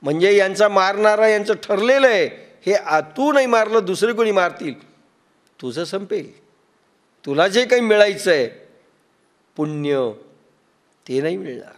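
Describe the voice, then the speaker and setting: A man with a Marathi accent preaching a sermon, telling stories with acted-out quotes and everyday examples, and chanting scripture verses slowly. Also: high voice, animated. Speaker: spiritual teacher.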